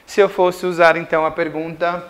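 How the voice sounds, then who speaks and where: A Brazilian man teaching English grammar in a recorded school lesson, explaining slowly with repeated examples and checks like "certo?". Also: on the high side, level tone. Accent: Brazilian Portuguese.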